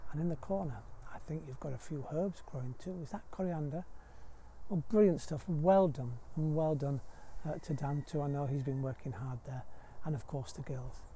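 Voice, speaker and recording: A man with a fairly high pitch and a dark, mellow tone speaks at a moderate pace, somewhat breathy, with ordinary pitch variation. The sound is dry with no echo, over light background noise. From Yorkshire, England. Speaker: allotment gardening vlogger. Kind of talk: casual vlog narration to camera.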